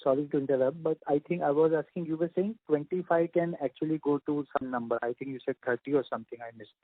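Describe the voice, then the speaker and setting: A man's voice: on the high side, fast, no room sound. Hesitant man on a tinny phone line. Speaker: caller asking questions as an analyst.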